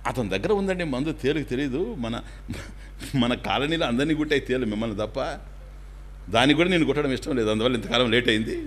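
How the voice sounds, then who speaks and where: A man, a swami, giving a spiritual discourse in an animated storytelling manner, now and then dropping in English phrases. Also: medium pitch, fast talker, slight background noise. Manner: animated, acts out anecdotes, drops English phrases.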